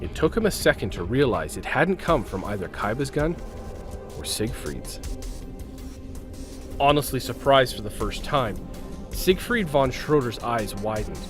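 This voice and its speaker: A man narrating a scripted audio drama with intense, suspenseful delivery, broken phrase by phrase. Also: mid-range voice.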